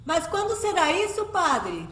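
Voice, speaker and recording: A woman's voice: very high voice, big pitch swings, measured pace, a bit bright, a little hiss or hum, heavily acted. A woman playing an inquisitive, respectful but mildly defiant parishioner in a radio drama. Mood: polite, curious. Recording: echoey hall.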